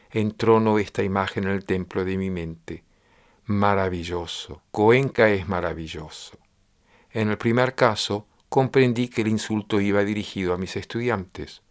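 A man speaking as a meditation teacher, giving a translated discourse in a measured, repetitive, explanatory way. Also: lowish voice.

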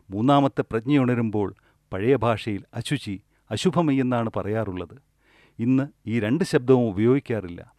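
A man giving a spiritual discourse as a meditation teacher. He speaks in a measured way, repeats key phrases and asks rhetorical questions. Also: mid-range voice, a little mellow, no echo, clean studio sound.

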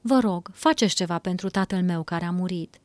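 A woman's voice: lowish voice, no room sound, lightly acted. A woman reading a pleading young man.

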